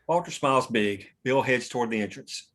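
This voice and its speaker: A man's voice: medium pitch, brisk, fairly bright tone. A man narrating scene headings and stage directions at a script table read.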